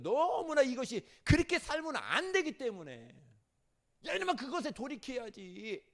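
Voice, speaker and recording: Animated, lively-pitched male preacher. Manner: animated, swings between loud scolding and soft asides; asks the congregation questions and jokes with them. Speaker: pastor. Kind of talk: sermon.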